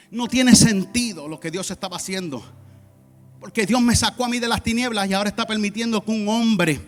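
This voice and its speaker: A man preaching a sermon as pastor, telling a personal testimony with loud peaks and quiet asides. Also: high voice. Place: church sanctuary. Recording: long church hall reverb, faint music.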